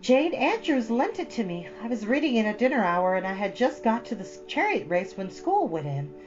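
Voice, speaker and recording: A woman's voice: a little high, sing-song, a little fast, dull audio, over music, pitched above the performer's own voice. A woman voicing a chatty, earnest thirteen-year-old girl from a storybook, rambling with solemn drama. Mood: flustered. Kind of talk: storybook character reading.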